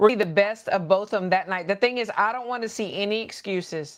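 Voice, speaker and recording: Over a quiet background, a woman talks at a medium pitch and a moderate pace. Her intonation is fairly even. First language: Spanish. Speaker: boxing podcast co-host. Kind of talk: casual chat.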